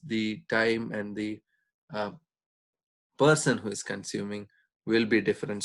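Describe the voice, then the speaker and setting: A man giving an informal explanatory talk as a doctor, speaking in a measured, hesitant way with frequent pauses. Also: medium pitch, a bit bright.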